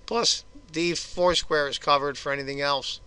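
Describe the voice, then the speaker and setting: A hoarse man giving casual, chatty move-by-move commentary on a chess game for his video channel. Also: on the high side, steady tone, moderate pace, sharp tone.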